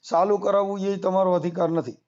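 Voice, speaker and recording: A man's voice: high-pitched, fairly even intonation, fairly quick, darkish tone. A man with a Gujarati accent argues heatedly on a phone call, insistent and combative, pressing his points with repeated rhetorical questions. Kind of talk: heated argument over the phone. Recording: muffled lo-fi phone call recording.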